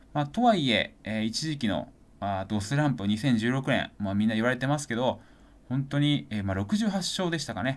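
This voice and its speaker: Over a silent background in a very clean recording, a man with an ordinary speaking voice talks at a medium pitch with lively intonation. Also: moderate pace. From Japan, Chiba. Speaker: horse racing YouTuber. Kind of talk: data-driven commentary video. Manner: frequent fillers (えー, まあ).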